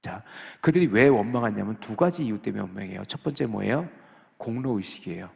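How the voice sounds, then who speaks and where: Animated pastor preaching in a reverberant church. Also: male voice, on the low side, a little fast, gravelly. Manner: animated, asks the congregation questions, acts out complaints. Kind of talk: sermon. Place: church sanctuary. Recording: long reverb of a church hall.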